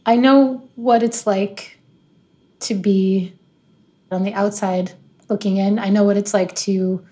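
A woman from Israel whose first language is Hebrew, speaking in an earnest, reflective way with pauses as an artist and community organizer. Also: medium pitch, steady tone, dark tone. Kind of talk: interview soundbite.

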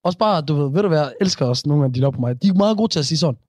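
Young man, podcast co-host, high lively voice, slangy and animated, dry close sound. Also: dry recording. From Aarhus, Denmark. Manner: animated, slangy, swears a lot. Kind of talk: casual comedic banter.

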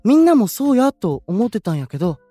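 A man playing a gentle, candid young male idol with a Kansai accent in an anime-style audio drama, soft-spoken and considerate. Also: sits high, very animated, fairly quick, no room sound, faint music behind. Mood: earnest, caring.

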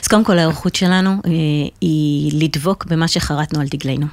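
A woman's voice: deep voice, fairly even intonation, a little mellow, dry recording. Woman with a slight French-sounding accent, close-miked. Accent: Hebrew with a slight French-sounding lilt. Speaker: marketing executive, interview guest. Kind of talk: conversational business interview.

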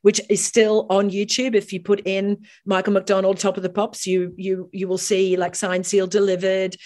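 A woman from Australia, a professional singer, telling stories in a casual interview with animated, chatty delivery. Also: medium pitch. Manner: chatty, animated storytelling with frequent restarts.

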